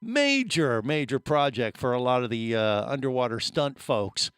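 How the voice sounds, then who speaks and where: A man hosting a radio show, asking a guest questions in an excited, rambling way. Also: medium pitch, normal speed, smooth, dry recording, clean studio sound. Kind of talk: interview conversation. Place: radio studio.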